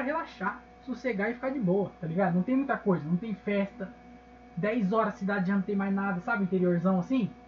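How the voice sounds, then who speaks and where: Noticeable background noise behind a man's high voice, fairly quick in pace, with ordinary pitch variation. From São Paulo, Brazil. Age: 20s. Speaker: podcast host and comedian. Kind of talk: casual solo monologue. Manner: animated. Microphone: poor audio quality.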